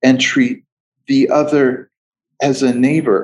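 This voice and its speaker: A man speaks in a normal speaking voice with an American accent. His pitch is fairly high and his pace fairly slow. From US Midwest, outside Chicago. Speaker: ethicist and theologian. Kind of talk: interview.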